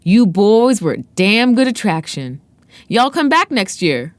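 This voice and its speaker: A woman's voice: mid-range voice, very animated, unhurried, dry recording, voice pushed up. A woman voicing a grinning, blustering fat white promoter with a falsely jovial drawl. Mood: falsely hearty.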